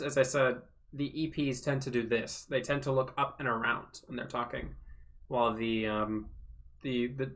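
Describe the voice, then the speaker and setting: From a room at home, a man on a casual livestream answers viewers' questions, rambling and thinking aloud with plenty of ums and likes. His bright, forward voice sits in a middle pitch for a man, and after hours of talking it is wearing hoarse.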